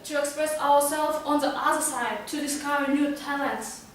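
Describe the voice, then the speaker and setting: A woman with a Kazakh accent, a native Kazakh speaker, gives a motivational club speech. She speaks haltingly in a high voice, searching for words. The recording is very echoey and distant, with faint noise. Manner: halting, with long searching hesitations. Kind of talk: prepared amateur motivational speech. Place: meeting room, recorded from a distance.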